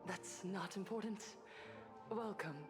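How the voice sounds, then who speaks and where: A woman's voice: medium pitch, slow pace, music in the background, lightly acted. A woman playing a haunted, grieving young survivor in a dramatic video game. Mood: calm, eerie.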